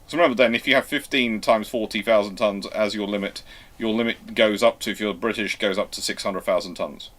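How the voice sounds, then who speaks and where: A man hosting a live question-and-answer history talk, speaking in a halting, emphatic way as he reworks his phrases. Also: lowish voice, fairly even intonation, a bit bright. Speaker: host answering viewer questions.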